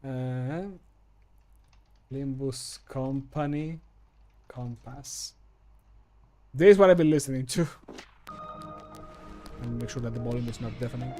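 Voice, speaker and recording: A man's voice: mid-range voice, a little slow, long pauses, dark tone. A man in his thirties rambling casually as he streams, with loose, sweary chat. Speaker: streamer and mod maker. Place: small home room, indoors. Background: background music.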